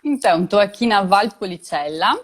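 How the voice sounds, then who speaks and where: A woman's voice: medium pitch, expressive, normal speed. A woman with a southern Brazilian accent chatting informally and cheerfully as an interview guest. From Santa Catarina, southern Brazil. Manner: informal, cheerful, often laughing. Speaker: interview guest, personal colour consultant. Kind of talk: casual conversational interview.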